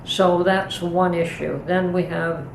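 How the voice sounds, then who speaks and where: A middle-aged woman talks through her baking and her thoughts in a calm, unhurried way, pausing now and then. Her low voice has a gravelly edge. The recording was made in an echoey home kitchen, with clear background noise. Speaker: homestead channel host. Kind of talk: casual kitchen vlog chat.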